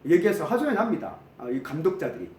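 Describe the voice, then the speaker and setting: Animated Korean pastor preaching. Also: male voice, a little high, fast, echoey room. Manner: animated preaching, acts out quoted complaints. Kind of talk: sermon. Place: church sanctuary.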